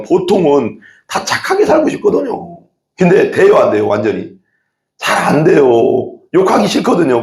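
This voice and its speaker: Animated pastor with a gravelly voice. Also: male voice, medium pitch, echoey room. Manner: animated, acts out quoted prayers and voices. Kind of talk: sermon. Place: church sanctuary.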